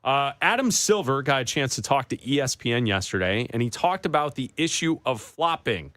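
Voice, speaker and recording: A man's voice: mid-range voice, lively intonation, a little fast, fairly bright tone, no room sound. A man hosting a sports radio show, telling stories in a loose, laughing way with fillers. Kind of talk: casual sports talk banter.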